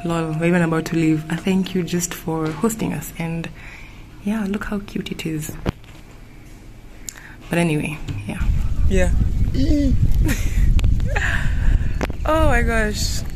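A young woman from Kenya narrating a casual travel vlog in a relaxed, musing way, with many fillers. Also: fairly low pitch, takes it slowly, long pauses, background noise. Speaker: vlogger. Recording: music playing behind the voice.

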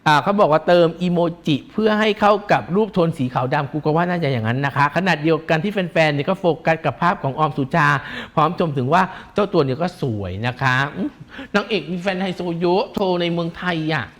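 A man chats through celebrity gossip in a camp, teasing way, often breaking into giggles. His voice sits fairly high for a man, and he uses feminine polite endings. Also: animated, a little fast, few pauses, fairly bright tone. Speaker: gossip show host.

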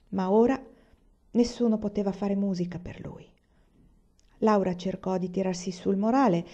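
A woman narrating a novel aloud as an audiobook reader, steady and expressive. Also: mid-range voice, muffled recording. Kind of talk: scripted narration.

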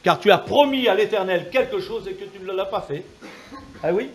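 A male preacher delivering a fervent sermon in a high voice. His pitch leaps and dives as he presses the congregation for amens. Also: lively intonation, moderate pace, slightly rough. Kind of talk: evangelical sermon.

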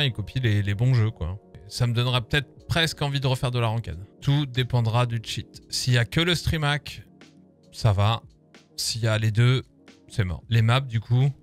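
A man's voice: mid-range voice, fairly bright tone. A man with a French accent, casually commenting on a game update while joking and swearing as he reads patch notes aloud. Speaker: gaming streamer. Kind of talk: casual live-stream commentary.

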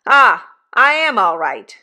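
Lady doing a gruff growly young forge worker, jealous and defiant, rough country talk, audiobook style. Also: on the high side, sing-song, slow, bright, forceful tone, full character voice. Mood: menacing. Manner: rustic working-class speech, defiant. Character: gruff surly young journeyman blacksmith, quarrelsome and jealous.

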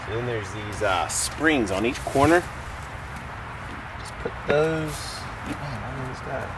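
A man in his thirties hosting a casual how-to vlog outdoors in a backyard, chatting in a loose, relaxed way with restarts. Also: mid-range voice, takes it slowly, distant mic. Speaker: host. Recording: outdoor noise behind.

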